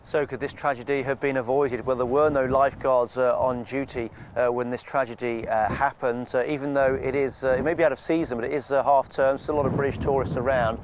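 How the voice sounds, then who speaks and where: A man reporting live for the news, talking hesitantly with many pauses and fillers. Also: mid-range voice, steady tone, noisy background.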